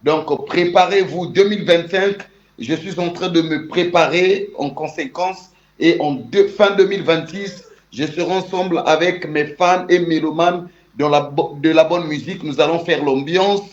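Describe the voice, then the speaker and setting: A Congolese man with a Congolese French accent, a musician guest in a casual interview, repeating warm greetings. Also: a little high, moderate pace. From Republic of the Congo. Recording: roomy, dull lo-fi sound.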